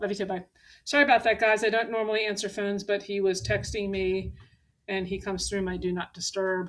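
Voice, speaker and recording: At a very fast pace, a woman speaks at a medium pitch. The recording is very clean, with a silent background. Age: 60s. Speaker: livestream host for cake decorating supplies. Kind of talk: casual live stream chat. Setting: indoors during a tornado storm, live stream. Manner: animated.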